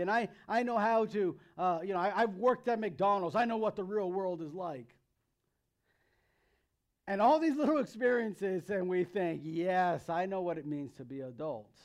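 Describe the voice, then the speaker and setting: A youth pastor in his thirties with an American accent preaches a sermon to young people. His high-sitting voice sounds conversational yet emphatic, and he repeats phrases for emphasis.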